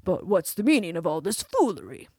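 A woman voicing a huge, gruff male giant who bullies and shouts slowly, with a breathy voice. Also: sing-song, no room sound, studio quality. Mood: gruff dismissive. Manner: slow booming shouts.

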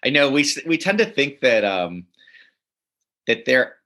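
A man in a relaxed conversation, telling stories with animated energy and frequent chuckles. He restarts sentences as he goes, and his voice sits at an ordinary middle pitch for a man. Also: unhurried. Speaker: comedy writer and teacher. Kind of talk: casual interview storytelling.

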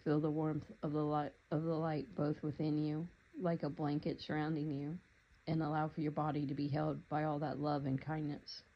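A meditation guide leading a guided meditation in a calm, unhurried, gently instructive way. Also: mid-range voice, muffled recording.

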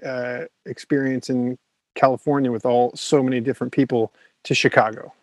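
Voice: medium pitch, level tone, moderate pace, no room sound. An interviewer asking questions with enthusiastic, encouraging interest. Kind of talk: interview conversation.

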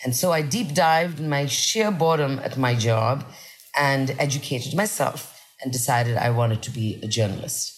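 A woman from Nepal who grew up in India, a journalist and podcast guest, telling her story in an articulate, animated way. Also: extremely low pitch, normal speed. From Nepal, raised in India. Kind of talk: casual conversational interview.

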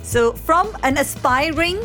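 A woman's voice: high voice, lively intonation, fairly bright tone, faint music behind. A woman whose first language is Sindhi, hosting an interview with eager, upbeat praise. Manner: enthusiastic, quick to praise. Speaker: podcast host.

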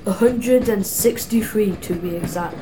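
A woman's voice: mid-range voice, unhurried, noisy background, lightly acted. A young woman playing a cocky, stubborn male jewel thief in an amateur audio drama. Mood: smug, unworried.

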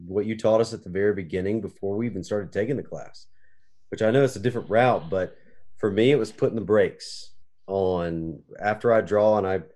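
A man's voice: low voice, dark tone. A man guesting on a casual podcast chat, earnestly reflecting on his training.

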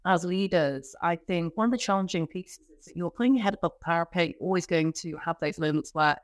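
A woman's voice: on the low side, fast talker, no echo. A woman hosting an interview podcast, talking conversationally in an appreciative way with long lead-ins. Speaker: podcast host interviewing a guest.

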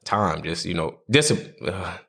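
A man from Brooklyn, a guest in a relaxed interview. His voice sits a little low, and he speaks in an easygoing way, trailing off with "you know" as he gathers his thoughts. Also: moderate pace, gravelly. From Brooklyn, New York. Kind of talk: casual conversational interview.

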